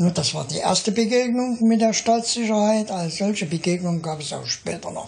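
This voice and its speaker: Moderate pace and ordinary pitch variation in a man's high-pitched voice. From Germany. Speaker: Gulag survivor, contemporary witness. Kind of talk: interview answer.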